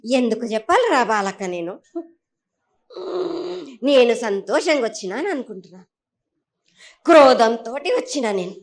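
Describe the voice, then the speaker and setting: A woman with a Telangana accent speaking as a festival oracle in a prophetic trance voice, stern and imperious, in halting, repetitive, chant-like phrases. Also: a little high, expressive.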